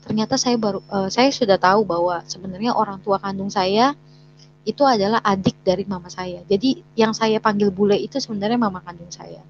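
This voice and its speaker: A woman's voice: mid-range voice, brisk. A woman sharing her personal testimony as a story, hesitant with many fillers and restarts, sometimes voicing what people said. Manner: acts out quoted dialogue in her story. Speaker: guest sharing a conversion testimony. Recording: dull lo-fi recording with faint hum.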